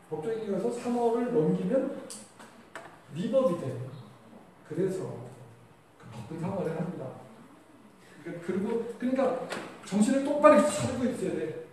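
Male teacher, high mellow voice, lecturing peers chattily, picked up from afar in a reverberant hall. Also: very animated, normal speed, long pauses. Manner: conversational, quizzes the audience. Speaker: teacher giving a training lecture. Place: lecture room with a live audience. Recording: echoey hall, distant mic, faint noise.

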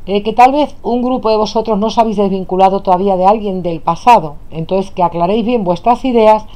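Turning over cards at an indoor table with just her hands in view, a Spanish tarot reader from Spain speaks affectionately to her audience as "my loves." Her voice is mid-range and dark in tone, and she talks fairly quickly.

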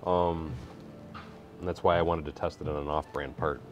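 A man's voice: a bass voice, flat delivery, moderate pace, lo-fi sound, noisy background. A middle-aged man hosting a live building stream, chatting casually, reading viewer comments and laughing easily. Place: indoor workshop room.

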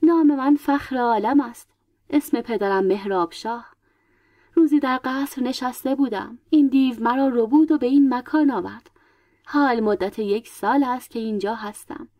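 A woman's voice: on the high side, no echo, lo-fi sound, lightly acted. A woman storyteller voicing a captive young princess who tells her plight plaintively. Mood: sorrowful.

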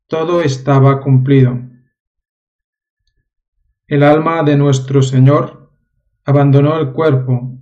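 A man recites devotional passages and prayers with solemn reverence. His voice sits a little high for a man, yet sounds dark and mellow, and he takes his time over every phrase. The recording is a little dull and lo-fi. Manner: solemn, reverent, measured delivery.

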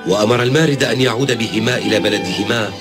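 A man's voice: lowish voice, rapid-fire. A man narrating a children's cartoon tale as scripted storybook narration. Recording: loud music under the voice.

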